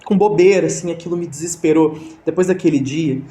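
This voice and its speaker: Here the interview guest is a young man from Brazil with a Brazilian Portuguese accent, telling a story over video call with lots of fillers and false starts. His pitch sits fairly high, his tone is warm, and his pace is brisk. The room is noticeably echoey.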